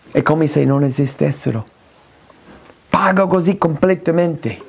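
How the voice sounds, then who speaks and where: A man preaching slowly and emphatically, reading passages aloud and repeating key phrases. His voice has a gravelly edge and sits on the higher side for a man, and he leaves long pauses between lines. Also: darkish tone. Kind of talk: sermon with scripture reading.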